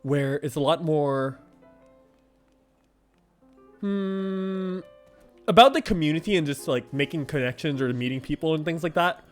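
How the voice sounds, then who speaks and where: A man's voice: a little high, unhurried, long pauses, soft background music. A young man chatting casually with viewers on a game livestream, laughing often and filling his talk with "like". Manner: animated, laughs often, heavy use of "like". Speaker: game streamer.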